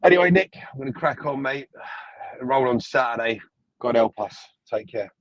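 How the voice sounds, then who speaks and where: A man leaving a casual voice message, halting and full of "you know" fillers, recorded as a phone voice note. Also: medium pitch, lively intonation, muffled recording.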